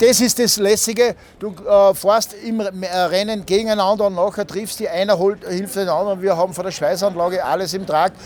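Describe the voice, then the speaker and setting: A man talks at a fairly quick pace with hardly any pauses and a high pitch. His intonation is fairly even, with noticeable background noise behind him. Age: 60s. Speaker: amateur racing driver. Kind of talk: casual interview. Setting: outdoors at race track. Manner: halting, many fillers.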